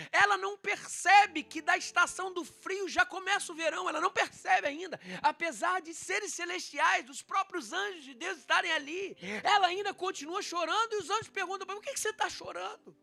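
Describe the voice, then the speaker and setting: A pastor with a Brazilian Portuguese accent speaks at a moderate pace with few pauses, his very high-pitched voice sounding creaky. He addresses his congregation dramatically, acting out scripture dialogue with loud swings.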